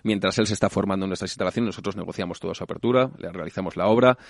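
A man's voice: low voice, racing, vocal fry, dry recording, studio quality. A man talking as a franchise expansion director in a business interview, fluent with some fillers.

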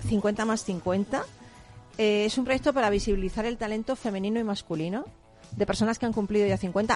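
A woman hosting a radio talk show, speaking with bright enthusiasm and exclamations as she introduces a guest. Faint music sits under her voice. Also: mid-range voice. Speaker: host. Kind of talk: radio interview.

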